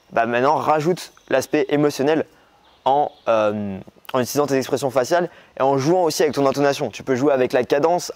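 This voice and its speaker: Expressive young man from Morocco coaching. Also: mid-range voice, no echo. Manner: lively, expressive, speeds up and slows down for emphasis. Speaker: dating coach. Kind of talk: coaching video lesson.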